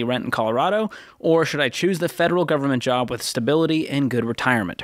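A man with a fairly high pitch and lively intonation speaks in a dry sound with no echo over a quiet background. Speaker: radio co-host. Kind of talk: call-in advice show. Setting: studio. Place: studio. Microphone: studio mic.

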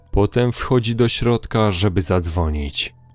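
A man's very slow speech, pitch rising and falling in an ordinary way. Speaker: horror story narrator. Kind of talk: scripted horror story narration, first-person creepypasta of a park ranger, read aloud. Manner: tense, hushed suspense, building dread with dramatic pauses.

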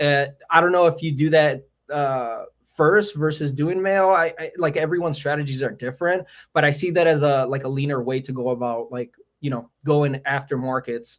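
Against a quiet background, a man with an American accent and a fairly high pitch speaks at a moderate pace with ordinary pitch variation. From US Midwest, Chicago area. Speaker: land investor and digital marketer; interview guest. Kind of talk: casual interview. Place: home room.

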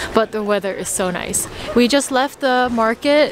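Noticeable background noise surrounds a woman's voice, which has a dry sound with no echo. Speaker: travel vlogger. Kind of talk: casual vlog chat. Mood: cheerful, upbeat. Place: market. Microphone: phone near.

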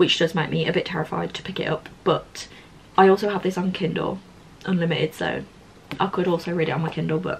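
A moderate pace and a fairly low pitch from a woman with an ordinary speaking voice. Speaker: book vlogger. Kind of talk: casual vlog chat. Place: home room. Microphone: camera far.

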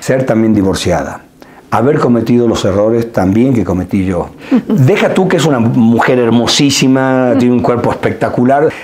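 A man keeps a moderate pace and very even loudness over light background noise. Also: ordinary pitch variation. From Argentina. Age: 50s. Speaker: actor. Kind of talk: interview answer. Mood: warm, affectionate about partner. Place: studio.

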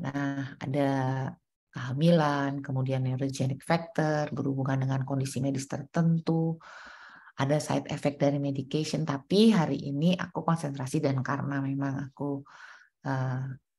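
A woman speaks at a moderate pace in a very deep, low pitch, her dark, mellow tone carried by fairly even intonation. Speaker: sports medicine doctor. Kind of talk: webinar lecture. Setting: video call. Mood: friendly, smiling. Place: home room. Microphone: video call.

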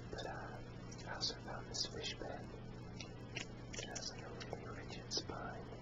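Moderate-paced speech from a man over loud background noise. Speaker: ASMR creator. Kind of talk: ASMR video with casual talk to camera. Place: home room. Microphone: studio mic.

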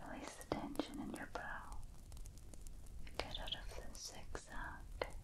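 A soft-spoken woman is whispering. Her pace is very slow. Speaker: relaxation video host. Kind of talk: soft guided relaxation talk. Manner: soft close ASMR whisper. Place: home room. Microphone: studio mic.

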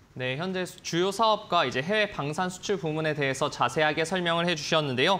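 A man's high, bright, sharp voice with lively intonation. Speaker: research analyst. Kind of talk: studio discussion on stocks. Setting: studio. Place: studio. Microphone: lapel.

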